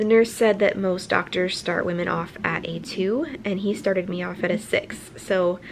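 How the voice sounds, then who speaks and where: A woman speaks at a fairly slow pace with ordinary pitch variation. Light background noise can be heard. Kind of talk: casual vlog chat. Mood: anxious, worried. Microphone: phone near.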